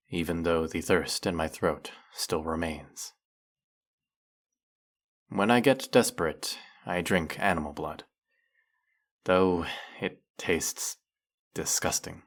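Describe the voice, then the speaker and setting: A man playing a centuries-old vampire hunter in an audio roleplay, guilt-ridden and resolute, confiding with halting delivery and heavy pauses. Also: low voice, exaggerated voice. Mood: haunted, confessional. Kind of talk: dramatic audio roleplay monologue.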